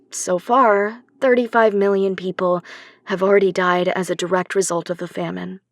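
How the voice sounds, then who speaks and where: Female academic expert, played by an actress, audio drama. Composed, patient, articulate, medium pitch, dry recording. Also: no room sound, lightly acted. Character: composed female professor, expert guest on sci-fi radio news. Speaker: academic expert being interviewed. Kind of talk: scripted radio interview in an audio drama.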